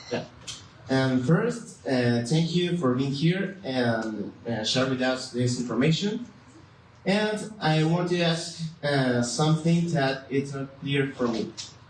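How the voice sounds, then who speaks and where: Speaking with a non-native accent at a very slow pace, a man uses lively intonation and a fairly high pitch, with noticeable background noise and audible room echo. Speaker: law student. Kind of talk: audience question. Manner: hesitant, halting.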